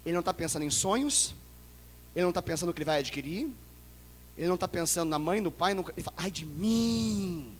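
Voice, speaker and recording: A man with a Brazilian Portuguese accent preaching a sermon as a pastor, dramatic and joking with the congregation, breaking into loud cries. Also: a little high, fast, pauses often, slight background noise. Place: church sanctuary. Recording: long church hall reverb.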